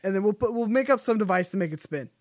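A man's voice: high voice, expressive, fast talker, no room sound, clean studio sound. A man hosting a podcast, chatting casually, joking and laughing often, swearing now and then. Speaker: podcast host. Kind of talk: casual chat.

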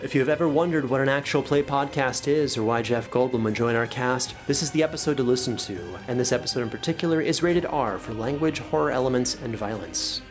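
A man narrates as game master and host of a story podcast. His delivery is scripted and dramatic, in a medium-pitched voice, with music quietly playing underneath. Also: brisk, few pauses.

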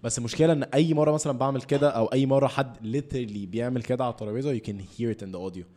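A man's voice: medium pitch, racing, warm tone. A man with an Egyptian accent hosting a casual podcast, switching between Arabic and English mid-sentence into a podcast microphone. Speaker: podcast host. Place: indoor podcast recording at a desk. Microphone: podcast microphone through a mixer.

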